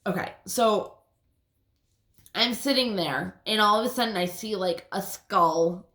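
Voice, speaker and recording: A woman's voice: mid-range voice, unhurried, a bit bright. A woman with a lisp telling a rambling personal story in a casual, swear-filled way, often restarting her sentences. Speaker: vlogger. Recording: roomy echo.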